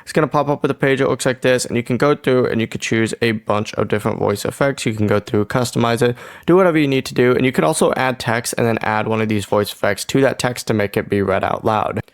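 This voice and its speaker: A man's voice: medium pitch, quick pace, hardly any pauses. A man narrating a casual how-to tutorial in an informal, chatty, step-by-step way. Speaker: tutorial host.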